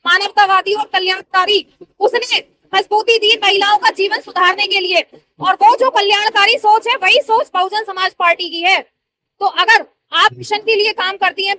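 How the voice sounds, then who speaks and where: A woman's voice: extremely high pitch, bright, forceful tone, low-quality recording. A woman in her thirties, a party worker answering interview questions in an earnest, persuasive way. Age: 30s.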